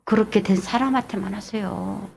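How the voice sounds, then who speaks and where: A middle-aged woman pastor preaching an animated sermon, moving between loud exclamations and hushed, whispered asides. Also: mid-range voice, moderate pace, vocal fry, husky.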